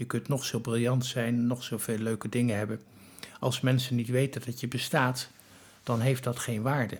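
Somewhat breathy and flat in intonation, a man's medium-pitched voice moves at a moderate pace. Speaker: professor. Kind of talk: interview.

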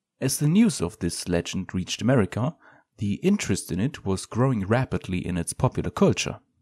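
Fairly quick and fairly low-pitched, a man speaks with a German accent and a dark, mellow tone. The recording is very clean with a silent background and a dry, close sound with no echo. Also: lively intonation. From Germany. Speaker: podcast host. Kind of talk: philosophy lecture.

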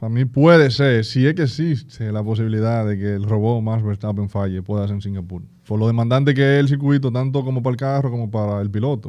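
An unremarkable speaking voice, this man's is medium in pitch with ordinary pitch variation and a fairly quick pace. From Dominican Republic, Haina. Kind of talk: casual chat.

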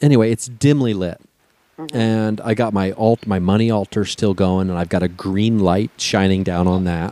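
A man with an American accent speaks at a moderate pace with fairly even intonation and a fairly low pitch. He has a plain, everyday voice. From Dayton, Ohio, US Midwest. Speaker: stand-up comedian and podcast co-host. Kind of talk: casual chat. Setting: remote recording, remote call.

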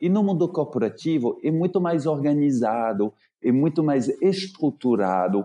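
A man speaks at a fairly slow pace in a fairly high voice with a dark, mellow tone. His pitch swings very widely over a quiet background. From France. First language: French (speaking Portuguese). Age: 40s. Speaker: entrepreneur. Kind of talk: interview.

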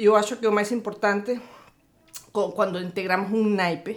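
A woman with a medium pitch talks fairly slowly, her intonation staying fairly even. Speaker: orchestral violinist and violin teacher. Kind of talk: interview. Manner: halting.

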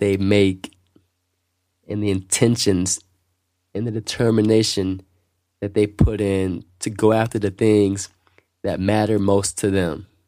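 Very slowly and in a monotone, flat intonation, a man speaks with a fairly low pitch and a dark, mellow tone. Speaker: self-help podcast host. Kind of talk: motivational monologue. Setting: studio. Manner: subdued, sober.

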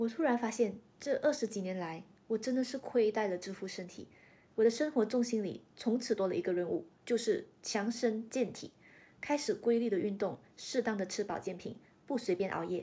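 A woman's fairly high, somewhat breathy voice, dark and mellow in tone, with ordinary pitch variation against a quiet background. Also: moderate pace. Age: 20s. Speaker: vlogger / podcaster. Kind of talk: personal reflection monologue.

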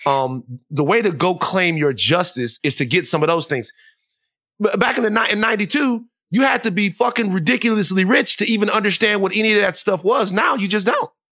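Speaking at a fairly quick pace, a man uses a high, raised, projected voice with a bright, sharp tone, lively intonation and an animated tone. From South Louisiana. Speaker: podcast host. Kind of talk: casual conversational podcast discussion. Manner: animated, casual slang.

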